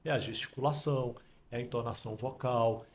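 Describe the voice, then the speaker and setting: A Brazilian man hosting a casual podcast, explaining with emphatic metaphors in an animated way. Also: medium pitch, brisk, a little hiss or hum. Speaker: podcast host.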